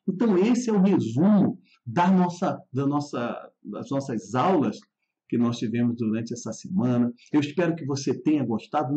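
A man teaching English in a live online lesson, speaking to viewers in a friendly way and slowing down to say model phrases clearly. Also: medium pitch, dark tone, muffled recording. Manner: friendly, addresses viewers directly.

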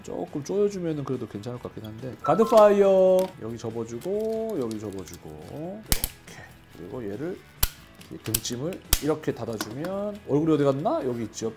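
A young man gives a casual toy review in a fairly high, very lively voice, chatty and playful. Now and then he bursts into shouts of robot names. Faint music plays underneath. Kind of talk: casual toy unboxing commentary.

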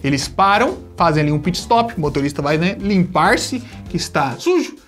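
A man's voice: high-pitched, big pitch swings, normal speed, fairly bright tone, faint music behind. A man with a Brazilian accent recapping an anime in an exasperated, sarcastic way, acting out the characters' lines. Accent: Brazilian Portuguese. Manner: exasperated, sarcastic storytelling with acted-out quotes. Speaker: anime review host.

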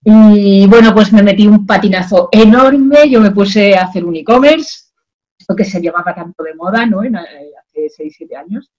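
Lady in her 50s, chatty and animated, lots of ums, webcam call from her home office. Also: mid-range voice, moderate pace, dull audio. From Madrid, Spain. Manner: animated and chatty, with frequent fillers and laughs. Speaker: guest, social selling expert. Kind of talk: casual interview chat. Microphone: video call webcam.

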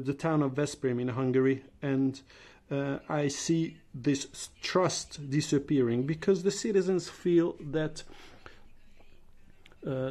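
A man interprets political speeches into English in real time. His delivery is measured and broken by frequent filler pauses. The voice sits at a middle pitch with a dark, mellow tone. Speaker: conference interpreter. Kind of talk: simultaneous interpretation of debate speeches.

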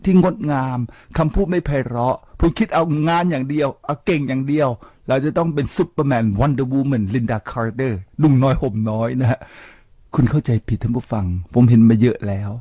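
A man's voice: mid-range voice, fairly quick, no echo. An older man hosting a radio talk show, lecturing listeners with rhetorical questions and sprinkling English words into his speech. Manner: lively, preachy, asks listeners rhetorical questions. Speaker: radio host. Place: radio studio. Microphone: studio microphone.

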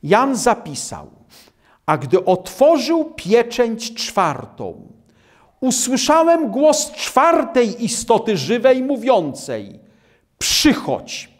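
Slow, emphatic man preaching a sermon. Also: huge pitch swings. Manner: slow, emphatic, with dramatic drops in pitch and volume. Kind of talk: sermon on scripture.

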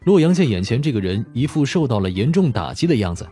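A man's voice: mid-range voice, big pitch swings, fast, dark tone, soft background music. A man reading a dramatic scripted audiobook narration.

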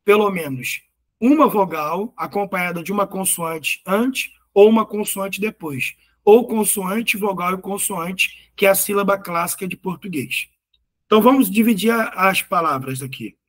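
A male teacher working through exam questions, slowly spelling out syllables and often asking "ok?" to check understanding. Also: sits high, fairly bright tone. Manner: patient, repeats words and syllables, frequent "ok?" checks.

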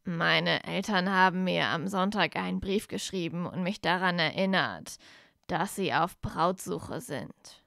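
A woman reading aloud voices a proud young male wizard who sounds flat and defeated, speaking low and slowly. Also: vocal fry, no room sound, clean studio sound. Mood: weary.

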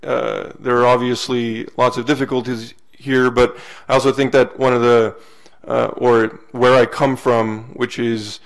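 Smooth, flat-voiced young man. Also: medium pitch, a little slow. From California. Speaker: panelist. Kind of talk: panel self-introduction. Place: university lecture hall panel table.

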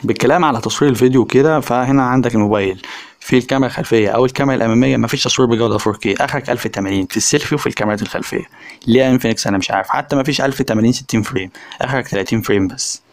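Very fast-talking Egyptian man. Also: mid-range voice. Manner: colloquial, chatty, direct address to viewers. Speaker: tech reviewer. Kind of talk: casual phone review voice-over.

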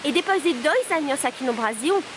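A young French woman vlogger talking casually to camera outdoors by a waterfall, animated and searching for words in her second language. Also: high voice, noisy background. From France. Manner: animated, lots of hand gestures, searches for words. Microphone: camera close up at a table. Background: rushing waterfall.

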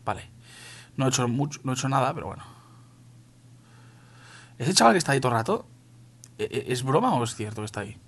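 A man's voice: medium pitch, sing-song, fast talker, pauses often, fairly bright tone. A young man from Spain with a Castilian accent, casually commentating his mobile shooter match for viewers, swearing and calling everyone "tío". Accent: Spain Spanish. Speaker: gaming youtuber.

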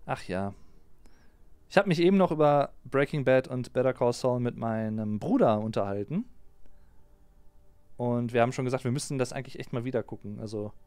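A man's voice: medium pitch, brisk, long pauses, darkish tone, clean tone, no echo. A man in his thirties from Germany, chatting casually on a live stream, reading out and answering viewers' comments. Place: small home streaming room. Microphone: close desk mic on a boom arm.

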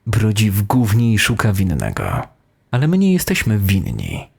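A man's voice: on the low side, wildly swooping pitch, normal speed, gravelly, darkish tone, slightly rough, exaggerated voice. A man voicing a smug, calculating teacher in an audio horror story, coolly reassuring. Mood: calm, dismissive. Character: smug, calculating male teacher, secretly a killer.

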